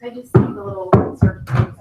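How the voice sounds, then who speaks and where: A woman's voice: medium pitch, steady tone, moderate pace, roomy sound, lo-fi sound, very noisy. A woman chatting with coworkers during a webinar test, reassuring and chatty. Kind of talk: casual office chat.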